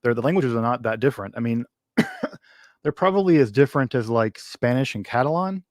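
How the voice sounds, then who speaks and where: A man's voice: mid-range voice, wildly swooping pitch, normal speed, no room sound, clean studio sound. A man hosting a casual livestream Q&A, answering viewer questions in a rambling way with many ums, restarts and wry asides.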